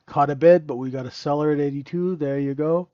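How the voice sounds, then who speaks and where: A man's voice: a little high, fairly even intonation, brisk, dry recording, lo-fi sound. A man hosting a live trading room, talking through the chart with a stuffy, nasal voice and sniffling, keeps asking "right?".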